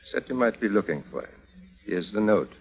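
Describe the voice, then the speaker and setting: An actor playing a gruff airport worker who speaks in a plain, matter-of-fact way in a 1950s radio drama. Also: male voice, fairly low pitch, animated, a little fast, exaggerated voice. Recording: dull old radio recording.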